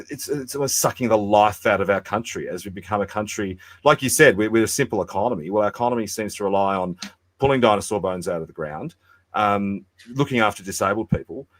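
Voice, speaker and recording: An Australian man arguing forcefully and sardonically in a podcast debate, often repeating words as he goes. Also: fairly low pitch, no room sound. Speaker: debate guest.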